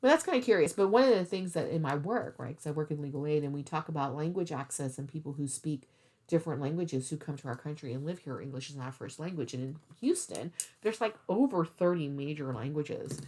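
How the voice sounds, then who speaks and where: A woman's voice: low voice, lively intonation, a little fast, a little mellow. A woman hosting a craft vlog, chatting casually in a rambling way and thinking aloud as she goes. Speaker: cross-stitch vlog host. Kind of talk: casual rambling chat to camera.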